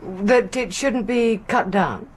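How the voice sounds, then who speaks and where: A woman acting an inquisitive, persistent wife in a radio drama, with a brisk, questioning manner. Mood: inquisitive, probing. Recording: very noisy radio play, rumbling car behind.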